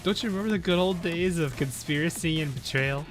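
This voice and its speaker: A man's voice: fairly high pitch, a little fast, music in the background, pitched above the performer's own voice, lightly acted. A man voicing a bubbly, taunting sorority-girl villainess from a game, with mock-sweet Valley Girl talk. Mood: whiny, offended.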